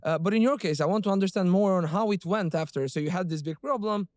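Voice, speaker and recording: A man's voice: sits high, fast talker, a little mellow, dry recording, studio quality. A man hosting a business podcast, asking long, rambling questions and agreeing with his guest. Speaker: podcast host. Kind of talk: interview questions.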